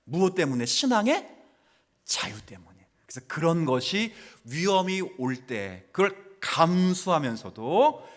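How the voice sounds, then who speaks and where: A male pastor preaches in a church with a high, very animated voice. He questions his congregation directly and moves between forceful declarations and near-whispers. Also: a little slow. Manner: swings from loud exclamations to near-whispers, asks the congregation questions. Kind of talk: sermon. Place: church sanctuary.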